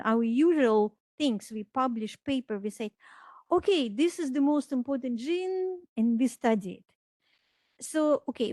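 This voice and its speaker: A woman's voice: a little high, dark tone, dry recording. Woman from Kazakhstan giving a science lecture. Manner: explanatory, non-native grammar, frequent restarts. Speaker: research lecturer. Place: lecture room.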